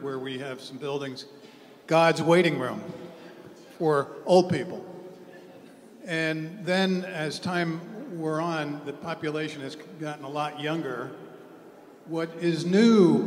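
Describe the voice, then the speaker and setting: Middle-aged developer in echoey hall. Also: male voice, fairly high pitch. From New York. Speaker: real estate developer, panelist. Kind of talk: conference panel talk. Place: large conference hall.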